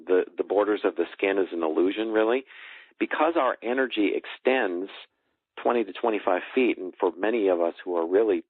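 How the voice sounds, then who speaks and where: A man with a low-pitched, husky voice explains things earnestly and haltingly, as a guest in an interview. He is heard over a tinny phone line. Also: dry recording. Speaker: interview guest, energy healer. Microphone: telephone.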